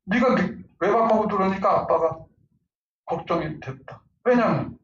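A middle-aged man teaches parents in a lively, talkative way, laughing often and acting out scenes between family members. His voice sits high for a man and comes from far off in an echoing room. The recording sounds dull and lo-fi, with faint background noise. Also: moderate pace. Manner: animated, laughing, acts out angry outbursts. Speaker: parenting lecturer. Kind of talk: lively lecture with role-play examples.

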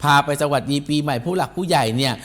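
A man hosting a celebrity gossip show, talking in an animated, repetitive way and ending nearly every phrase with a polite particle. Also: fairly high pitch, fast. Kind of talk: chatty entertainment gossip talk.

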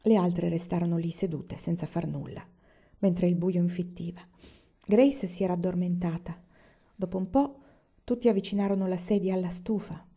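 A woman narrating a novel aloud as an audiobook reader, steady and expressive. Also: fairly low pitch, moderate pace, slightly rough, muffled recording. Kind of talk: scripted narration.

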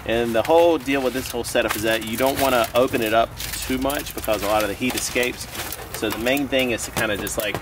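A man in his thirties hosting a casual how-to vlog outdoors in a backyard, chatting in a loose, relaxed way with restarts. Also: medium pitch, quick pace, far from the mic. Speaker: host. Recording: outdoor noise behind.

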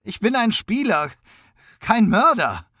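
Man voicing a young male suspect, tearful, whiny, pleading, high strained voice, dry close sound. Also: expressive, normal speed, a bit bright, no echo.

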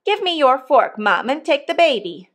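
A woman voicing a brisk, bossy nursemaid in a storybook, ordering the household about. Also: high voice, big pitch swings, voice pushed up.

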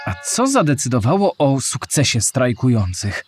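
An actor playing a curious young schoolboy who eagerly asks questions in a scripted children's audio drama. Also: male voice, medium pitch, sing-song, normal speed, darkish tone, faint music behind, close to an everyday voice. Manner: inquisitive, eager. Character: Historyjek, curious young schoolboy asking about history.

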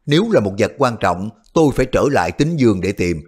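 A man's voice: on the low side, very animated, fairly quick, darkish tone, slightly rough. A man voicing a bold, crafty male hero who plays innocent and teases. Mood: feigned regret. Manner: mock-innocent, teasing.

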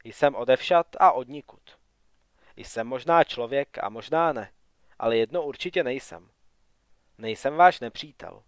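Brief: man doing a sardonic young wanderer for an audiobook, low-key, softly grumbling, dry sound. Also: lively intonation, clear, resonant tone, dry recording, natural voice. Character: wry wet young male wanderer, sardonic.

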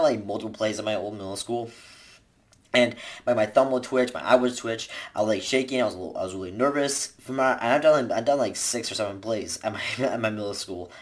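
A man's voice: on the low side, a little fast. A young man in his twenties giving casual advice to a webcam from his bedroom. He rambles, restarts his sentences and says "like" a lot while gesturing with both hands. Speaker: vlogger giving voice acting tips. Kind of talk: casual advice talk to camera. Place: small bedroom indoors, seated in a gaming chair. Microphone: webcam at desk distance.

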